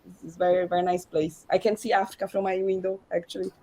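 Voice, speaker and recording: Seorang wanita dari Brasil berbicara santai sebagai panelis lewat panggilan video, sering memakai kata "like". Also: female voice, lowish voice, flat delivery, fast talker, warm tone. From Brazil. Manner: chatty, lots of "like". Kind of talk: casual chat.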